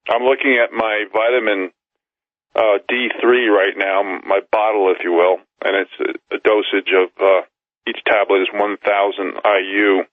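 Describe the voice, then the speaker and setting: A man's voice: fairly low pitch, little pitch movement, moderate pace, dry recording. A man of sixty hosting a radio interview, asking polite, rambling questions with many fillers. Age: 60s. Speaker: radio host. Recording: tinny phone line.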